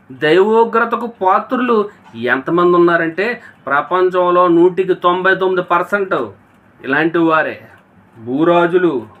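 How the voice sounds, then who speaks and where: A man's voice: high-pitched, phone-quality sound. A man preaching a sermon, often asking his listeners rhetorical questions and speaking to them directly. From India.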